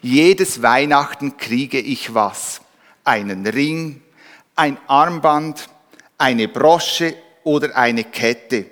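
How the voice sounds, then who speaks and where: A man's voice: medium pitch, very slow, a bit bright. A man voicing a female magpie who eagerly lists the jewelry she wants, heard in a reverberant hall. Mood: greedy.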